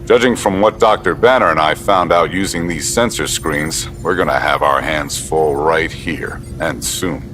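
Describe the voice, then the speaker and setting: A grim, heavy male hero, as a narrator puts him on, with an extremely deep voice that drags slowly and sounds a little distant. Music plays underneath. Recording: music bed behind the voice.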